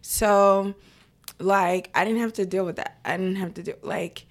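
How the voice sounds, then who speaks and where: A young woman from Brooklyn in casual conversation, talking in a quick, reflective way. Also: mid-range voice, steady tone. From Brooklyn, New York. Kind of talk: casual chat.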